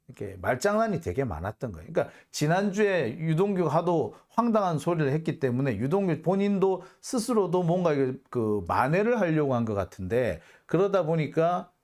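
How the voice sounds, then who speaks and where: A man's voice: on the high side, big pitch swings, moderate pace, a little mellow. A middle-aged man hosting a courtroom news commentary, emphatic and fond of rhetorical questions with chuckling asides. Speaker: YouTube commentary host.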